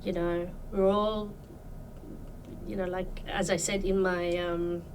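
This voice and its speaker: A woman's voice: fairly low pitch, little pitch movement, takes it slowly, darkish tone, far from the mic, a little hiss or hum, rough recording. A woman from Iran, a podcast guest, talking about her life in a thoughtful, hesitant way with many fillers. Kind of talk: casual interview chat.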